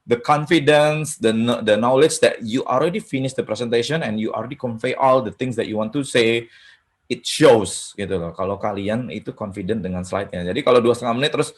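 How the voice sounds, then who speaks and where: A man with a mid-range voice talks casually over a video call, sharing tips from experience. He peppers his speech with tag questions and drops English phrases in mid-sentence. His tone is relaxed and conversational. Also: medium pitch, fairly quick. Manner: chatty, tags sentences with "ya kan" and "gitu". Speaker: hackathon mentor giving a talk. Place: home setup for an online session.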